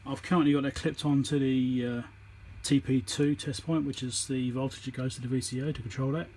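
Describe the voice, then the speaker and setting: Shot on a phone on a tripod, this informal repair tutorial features a man demonstrating electronics work and thinking aloud in a plain way. His mid-range, slightly mellow voice moves fairly quickly with fairly even intonation, with a little hiss or hum in the background.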